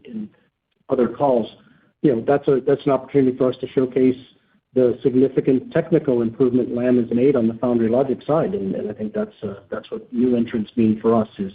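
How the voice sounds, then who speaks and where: A man speaking as a company executive on an earnings call, explaining in halting phrases with repeated words. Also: mid-range voice. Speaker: company executive answering analysts. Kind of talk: earnings call question and answer. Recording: narrow phone-like conference line.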